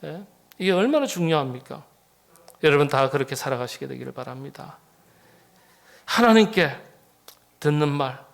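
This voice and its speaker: Gravelly middle-aged male pastor preaching. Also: a little high, fairly quick. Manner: dramatic, swings between loud emphatic lines and hushed near-whispers; rhetorical, repeatedly asks the congregation questions. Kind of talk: sermon.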